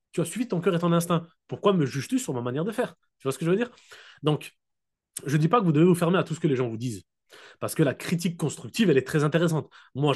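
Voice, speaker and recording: Brief: man, slightly high voice, casual direct coach, video call mic, dictates key points slowly. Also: a little mellow, slightly rough. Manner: casual, direct, keeps asking listeners if they follow. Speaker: network marketing coach. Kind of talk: motivational coaching talk. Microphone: computer mic on a video call.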